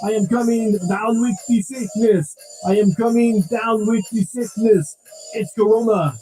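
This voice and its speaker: A man playing a hoarse, whiny trucker streamer. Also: high-pitched, fairly even intonation, measured pace, warm tone, faint music behind, low-quality recording. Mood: droning song. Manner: whiny, self-pitying, coughing. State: hoarse, scratchy throat. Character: sick, lonely male trucker streamer begging for donations. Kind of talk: comic parody clip.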